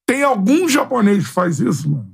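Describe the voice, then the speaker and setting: A man's voice: sits high, very animated, normal speed, creaky, husky. A man hosting a podcast, joking and steering the casual chat with slang. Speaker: podcast host.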